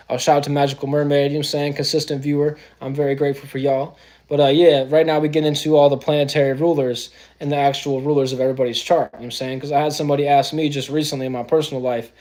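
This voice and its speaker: A man with a mid-range voice and a darkish tone hosts an astrology livestream. His casual talk is loose and chatty, with AAVE slang. He keeps tossing in "you know what I'm saying."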